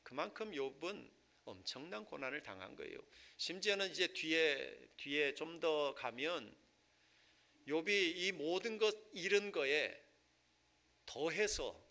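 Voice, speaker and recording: A male pastor preaching a Sunday sermon in church, rising to loud impassioned stretches and falling to soft, hushed passages. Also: a little high, expressive, measured pace, vocal fry. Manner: swells to loud impassioned preaching, then drops to soft near-whispers. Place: church sanctuary.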